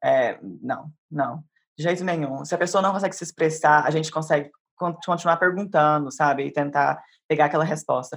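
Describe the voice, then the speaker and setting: This woman has a very deep, low pitch with ordinary pitch variation. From Brazil, Minas Gerais (Uberlândia). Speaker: tech program manager. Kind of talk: interview.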